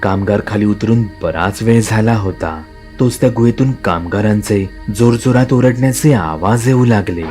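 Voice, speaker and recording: A man with a Marathi accent telling a scripted horror story as the channel's narrator, steady and slowing for suspense. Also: lowish voice, faint music behind.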